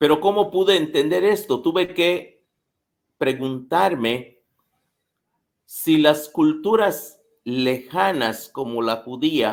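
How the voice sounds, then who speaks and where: A man speaks with a Yucatán accent at a very slow pace. His pitch is fairly high and his intonation lively. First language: Yucatec Maya (speaking Spanish). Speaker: Maya culture expert and land defender. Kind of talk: invited talk.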